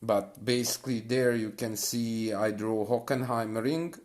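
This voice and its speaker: A man's voice: medium pitch, unhurried, darkish tone. A man giving casual, rambling commentary while playing a racing game, full of fillers and restarts. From Bosnia and Herzegovina. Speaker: mobile racing game streamer.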